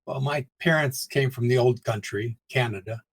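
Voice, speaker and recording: A man's voice: mid-range voice, normal speed, slightly rough, rough recording. An older man from the Pittsburgh area, a guest in a conversational interview, speaking reflectively and chuckling often between points. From United States, Pittsburgh area.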